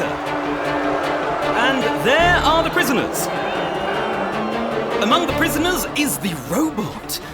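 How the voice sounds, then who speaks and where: An actor playing a futuristic news reporter giving dramatic, announcer-like live commentary on a public event. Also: male voice, extremely high pitch, exaggerated voice.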